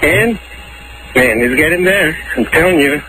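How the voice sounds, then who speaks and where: A man's voice comes through as a radio show caller, set high for a man. He talks casually, blunt and eager, like someone who just got through on the line. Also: animated, normal speed, noisy background. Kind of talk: casual call-in chat.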